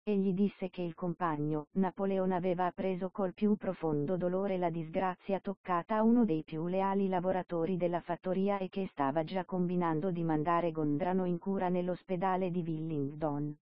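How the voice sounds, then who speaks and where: Woman reading a novel aloud, calm steady pace, dry dead room, kinda dull audio. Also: on the low side, no room sound. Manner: measured, steady storytelling. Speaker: audiobook narrator. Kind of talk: scripted narration.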